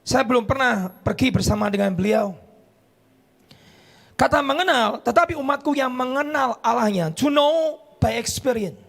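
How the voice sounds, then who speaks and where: A middle-aged man preaches a sermon in a church with a very high, gravelly voice. His tone is husky and rough, and he slips English phrases into his sermon. He builds to shouts as he presses his point. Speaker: pastor.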